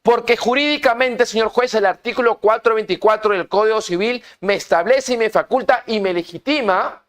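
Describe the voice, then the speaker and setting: A man teaching a law workshop, speaking deliberately, stressing key words and putting questions to his students. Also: high voice, a bit bright. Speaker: law instructor. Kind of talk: lecture to students.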